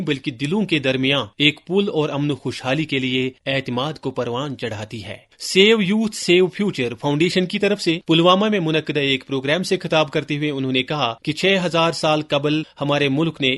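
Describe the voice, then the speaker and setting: A man with a slightly high voice reads a scripted news bulletin. His delivery is formal and measured, suited to a newsreader. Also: fairly bright tone. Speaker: news reader. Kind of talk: scripted Urdu-register news bulletin narration.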